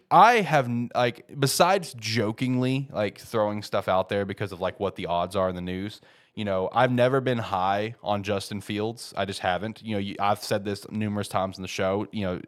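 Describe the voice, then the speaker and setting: A low-pitched man talking football in a loose, rambling way. He sounds stuffed up from a head cold, and his talk is full of fillers and restarts. Now and then he breaks into worked-up, emphatic bursts. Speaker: podcast host. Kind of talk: casual sports talk.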